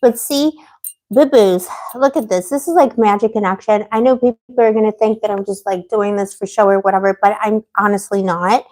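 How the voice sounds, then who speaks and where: A woman hosting a tarot livestream in casual, rambling chat, full of fillers and restarts, gossipy and quick to laugh, with a voice that has been fading. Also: mid-range voice, steady tone, a little mellow. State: losing her voice. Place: living on a Mediterranean island.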